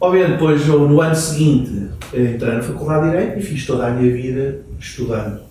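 A man talks at a fairly high pitch amid noticeable background noise. Room echo is audible. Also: ordinary pitch variation, fairly quick pace. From Portugal. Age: 60s. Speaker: beer company executive. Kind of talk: interview.

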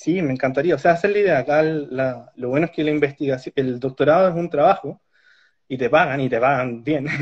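A somewhat breathy voice in a Chilean accent, fairly quick in pace, with ordinary pitch variation. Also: man, fairly high pitch for a man. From Chile, Santiago. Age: 30s. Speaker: engineering student. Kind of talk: casual interview.

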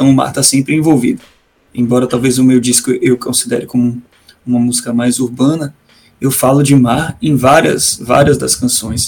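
With a Bahian accent, a man talks at a moderate pace in a calm, relaxed tone, his medium-pitched voice flat and monotone. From Salvador, Bahia, Brazil. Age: 30s. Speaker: singer-songwriter. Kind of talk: casual interview.

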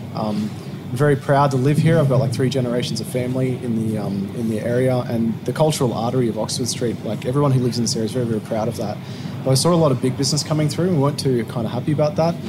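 Very fast speech in an Australian accent over noticeable background noise. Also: man, medium pitch for a man, ordinary pitch variation. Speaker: brewery founder and owner. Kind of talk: casual chat.

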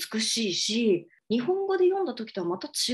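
This woman talks with very wide swings in pitch. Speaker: literature professor. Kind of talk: interview. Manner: casual, animated.

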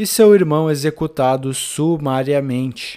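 A man talks at a fairly slow pace in a plain, everyday voice with ordinary pitch variation. The recording is very clean, with a silent background. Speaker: podcast narrator reading books aloud. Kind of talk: reading aloud.

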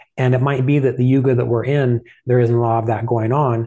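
With an American accent, a man speaks at a medium pitch and a moderate pace in a dark, mellow tone. His voice is somewhat breathy, his intonation fairly even, and the background quiet. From US South, West Virginia. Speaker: astrology teacher and author. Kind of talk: interview.

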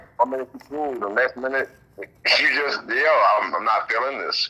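Noticeable background noise runs behind this man as he talks at a moderate pace with an American accent. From Savannah, Georgia (US South). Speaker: rapper. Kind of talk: casual interview.

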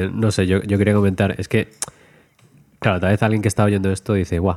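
A man's voice with a dark, mellow tone. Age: 30s. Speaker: podcast co-host. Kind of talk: casual chat.

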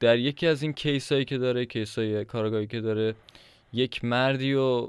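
Speaking with fairly even intonation, a man has an unremarkable speaking voice at medium pitch. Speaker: film podcast host. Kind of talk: casual film review chat.

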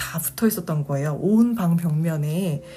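Over noticeable background noise, the speaker has lively intonation and a moderate pace. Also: woman. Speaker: podcast host reading and discussing a book. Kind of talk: book review, reading aloud with commentary. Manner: talkative, chatty.

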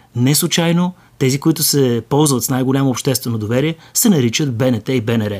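A man with a plain, everyday voice talks at a medium pitch and moderate pace, varying his pitch in an ordinary way. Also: very even loudness. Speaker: former radio host. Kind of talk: casual chat.

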